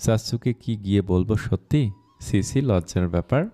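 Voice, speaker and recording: A man's voice: lowish voice, normal speed, warm tone, soft background music. A man narrating a first-person love story in a scripted, emotional storytelling manner.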